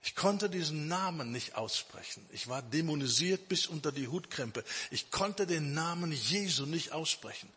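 A man preaching a sermon testimony, emphatic, stretching some phrases out slowly. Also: on the high side, expressive, sharp tone, slightly rough. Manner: emphatic, with slow drawn-out phrases. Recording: long hall reverb.

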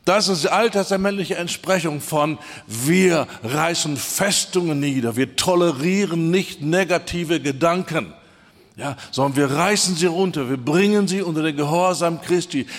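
A man's voice: fairly high pitch, moderate pace. A male pastor preaching with insistent emphasis and a slightly raised voice. He circles back to the same phrases and calls out praise between points. The sound carries a long reverb, as if recorded in a large church hall. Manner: emphatic preaching, repeats key phrases, interjects "Halleluja". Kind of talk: sermon.

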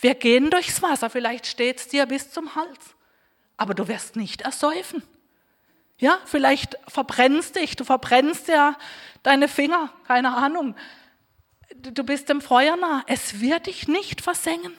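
A woman giving an earnest sermon, reading scripture aloud slowly and exhorting her listeners. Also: high-pitched, a bit bright. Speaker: preacher. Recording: long hall reverb.

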